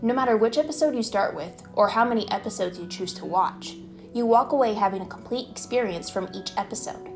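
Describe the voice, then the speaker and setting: A woman's voice: mid-range voice, fairly quick. A woman hosting and narrating a scripted video essay in a conversational way, leaning into dramatic emphasis. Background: background music.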